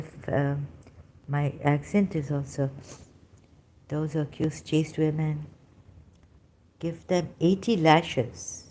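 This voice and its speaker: A woman with a low, mellow voice talks through a personal monologue. She stops often, fills gaps with hesitations and restarts her phrases while she hunts for words. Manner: halting, searches aloud for words, many fillers and restarts. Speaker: vlogger.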